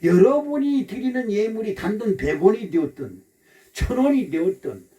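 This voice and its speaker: A man's voice: sits high, sing-song, moderate pace, mellow, far from the mic. A man preaching a sermon as pastor, emphatic and repetitive, acting out the voices of others. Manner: emphatic, repetitive, acts out quoted speech.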